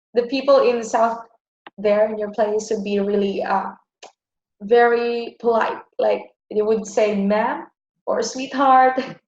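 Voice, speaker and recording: A woman with a Filipino accent speaks at a fairly slow pace, leaving long, frequent pauses. Her pitch is fairly high and her intonation fairly even. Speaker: telemarketer. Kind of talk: interview. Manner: halting.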